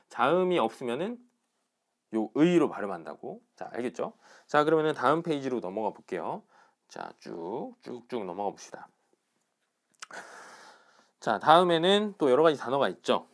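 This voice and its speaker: A man teaching pronunciation in an online class, explaining step by step and checking in with his students after each point. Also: mid-range voice. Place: indoors, recording alone for an online class.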